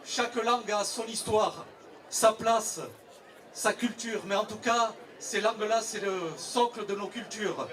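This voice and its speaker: A man giving a formal public speech as a local official, measured and pausing between short phrases. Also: sits high, steady tone, fairly bright tone. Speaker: local authority president, official speaker. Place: public event with crowd. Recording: distant PA microphone, noisy crowd.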